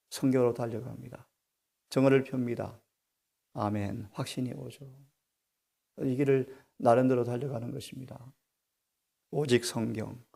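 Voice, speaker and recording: Gravelly middle-aged man preaching. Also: medium pitch. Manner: rhetorical questions to the congregation, swings from soft to loud. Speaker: pastor. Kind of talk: sermon.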